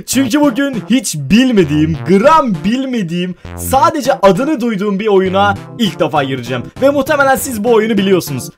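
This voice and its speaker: High, lively young Turkish gamer man. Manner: jumpy, talks to viewers, yelps when scared. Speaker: gaming YouTuber. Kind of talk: casual let's-play commentary.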